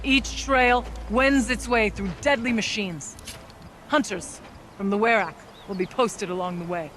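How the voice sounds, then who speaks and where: An authoritative tribal elder in a dramatic video game. The voice is high and forceful, delivering ceremonial, formal speech with command. There is clear noise behind it. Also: male voice, unhurried. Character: authoritative tribal elder presiding over a ritual hunt.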